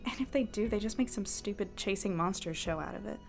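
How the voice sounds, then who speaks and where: A woman's voice: mid-range voice, fairly quick, gravelly, lightly acted. Woman acting as earnest awkward young reporter lady, chatty audio drama, music underneath. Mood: questioning. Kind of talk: naturalistic audio drama dialogue and narration.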